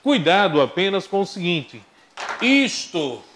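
Man, grammar teacher, high voice, animated, joking, asks and answers his own questions. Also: a little slow, a little hiss or hum. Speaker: Portuguese teacher. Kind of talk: lively recorded grammar lesson.

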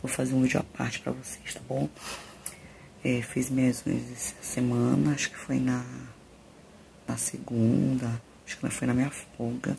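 Brazilian lady rambling to her phone at home, super croaky fry in her voice, noisy recording. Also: very deep voice, flat delivery, moderate pace, dark tone. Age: middle-aged. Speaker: vlogger. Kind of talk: casual chat to camera. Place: small rooms at home, indoors. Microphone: phone at arm's length.

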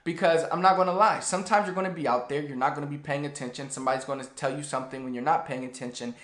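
A man in his thirties giving a casual, animated lesson to the camera in a small room. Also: on the high side, very fast, echoey room. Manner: animated, gestures a lot while talking. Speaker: language teacher. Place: small plain room indoors.

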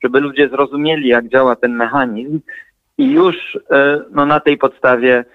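A man talks over a tinny phone line with no room sound at all. His pitch sits in the middle, and his explanation comes out in halting bursts broken by fillers and restarts. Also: lively intonation, gravelly, no room sound. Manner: hesitant, many fillers and restarts. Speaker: guest mathematician and analyst. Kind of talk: radio interview over the phone.

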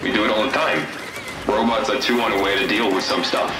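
An actor playing a sarcastic, irritable worker trapped in a robot in a video game. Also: male voice, on the low side, a little fast, heavy background noise, lightly acted. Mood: matter-of-fact. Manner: sarcastic, exasperated. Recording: echoey, loud music underneath.

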